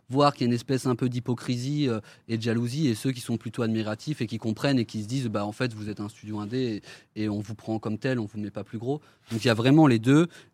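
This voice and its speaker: Very fast speech comes from a man at medium pitch with fairly even intonation. The recording is dry and close, with no echo. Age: 20s. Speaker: game developer and former rapper. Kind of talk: interview.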